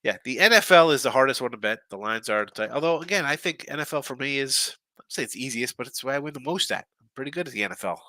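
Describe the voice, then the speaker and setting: Bright-voiced congested sports betting host. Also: male voice, medium pitch, fast talker, no room sound. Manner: loose, chatty, animated, with frequent fillers. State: congested, stuffy nose. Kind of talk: casual chat reading viewer comments.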